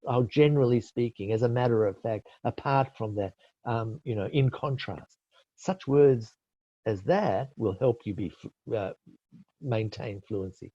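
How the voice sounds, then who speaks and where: A mellow, medium-pitched man speaks at a measured pace: he is a middle-aged Australian presenting IELTS tips in a webinar, teaching and responding to questions. Patient and prone to self-correction, he uses many fillers. Dry, dull lo-fi sound comes from his webinar call mic.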